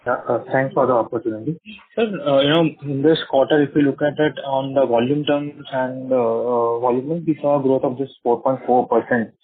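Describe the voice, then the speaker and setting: A man's voice: medium pitch, fairly even intonation, normal speed, slightly rough. A man, a financial analyst putting questions to management on an earnings call over the phone. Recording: muffled narrow phone line.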